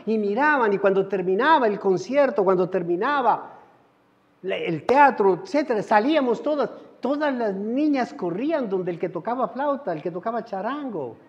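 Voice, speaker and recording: A middle-aged man preaching a sermon as pastor, telling a personal story with dramatic swings between loud and soft. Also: sits high. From Colombia. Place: church sanctuary. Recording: muffled church sound with long reverb.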